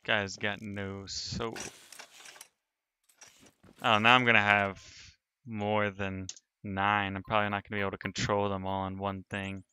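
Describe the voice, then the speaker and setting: A man's voice: lowish voice, monotone, unhurried, long pauses, pushed and bright, a little hiss or hum. A man streaming a sandbox building game, thinking aloud in casual commentary as he narrates each step of his work.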